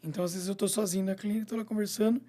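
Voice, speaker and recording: Um homem veterinário dá entrevista numa rádio em tom de bate-papo. Fala depressa, quase atropelando as palavras, com um timbre escuro e suave e um leve rouco. Conta casos encenando falas e pergunta o tempo todo "entendeu?". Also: male voice, high voice, fairly even intonation, very fast, warm tone. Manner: chatty, repeats "entendeu?" and "né?", acts out little scenes. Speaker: veterinarian and clinic owner. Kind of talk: radio interview guest, casual chat.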